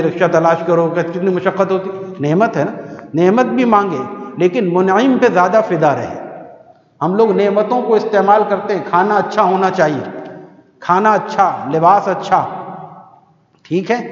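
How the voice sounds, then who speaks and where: High-voiced preacher in an echoey hall. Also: male voice. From Pakistan. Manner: conversational preaching with rhetorical questions; recites verses in slow melodic chant. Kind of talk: sermon. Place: mosque, addressing worshippers. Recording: echoey hall, muffled sound.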